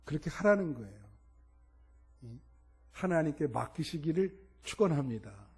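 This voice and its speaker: A man preaching a sermon as pastor, shifting between loud emphatic exclamations and quiet asides. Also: fairly high pitch, big pitch swings, normal speed, slightly rough, faint music behind.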